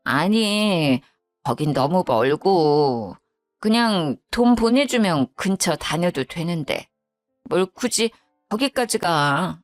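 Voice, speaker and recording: A woman's voice: fairly high pitch, very animated, normal speed, fairly bright tone, faint music behind. A woman voicing a curt, self-pitying widowed older mother-in-law who grumbles bluntly.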